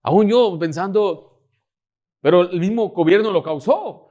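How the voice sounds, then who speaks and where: A male preacher, telling stories from the pulpit in an animated way. His voice sits a little high for a man, and he jumps between narration and acted-out exchanges. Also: a little slow, muffled recording. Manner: animated storytelling, acting out dialogue. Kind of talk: sermon with personal story.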